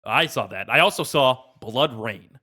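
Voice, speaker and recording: Bright-voiced man chatting on a podcast. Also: mid-range voice, expressive, normal speed. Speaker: podcast co-host running a quiz game. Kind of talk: casual podcast chat.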